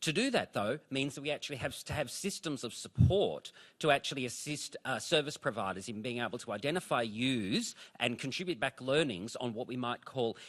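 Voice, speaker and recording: A man speaks in an Australian accent at a medium pitch. His intonation is lively and his pace fairly quick. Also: quiet background. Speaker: family studies researcher. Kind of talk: conference presentation.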